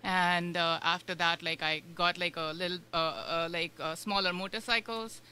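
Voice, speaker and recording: A woman's voice: lowish voice, steady tone, normal speed, sharp tone. Woman from India, chatty with lots of fillers. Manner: rambling, filler-heavy with many "like" and "uh". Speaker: guest. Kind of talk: casual interview chat. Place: radio studio.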